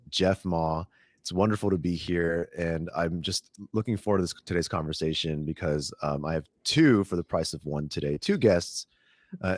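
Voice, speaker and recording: A man with a very low voice hosts a podcast, talking in a relaxed, chatty way and often pausing on fillers and restarting his sentences. He sounds close to the mic in a dry, dead room with no echo. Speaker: podcast host. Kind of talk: podcast interview.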